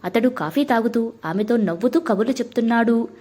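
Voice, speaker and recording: A woman narrating a family drama in a steady, measured storybook reading. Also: on the high side.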